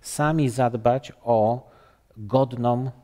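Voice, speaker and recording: A man in his fifties from Poland, a guest in a studio interview, talking haltingly with many fillers and restarts. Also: medium pitch, steady tone, warm tone, long reverb tail. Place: bright TV studio, seated on sofa.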